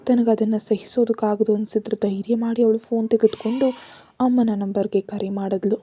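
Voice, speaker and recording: A woman narrating a dramatic story in an even, soft reading manner. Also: fairly high pitch, normal speed, slightly rough. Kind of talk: read-aloud narration.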